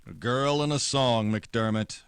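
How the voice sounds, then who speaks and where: An actor playing a hard-boiled, wry private detective with terse, sardonic wisecracks, in old-time radio noir style. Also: male voice, medium pitch, measured pace, smooth, dry recording, close to an everyday voice. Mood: scornful.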